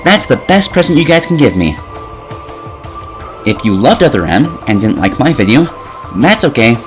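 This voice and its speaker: Lively, sarcastic young man reviewing games. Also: mid-range voice, moderate pace, soft background music. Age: 20 years old. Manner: sarcastic, opinionated. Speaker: video game reviewer. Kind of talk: scripted video review narration.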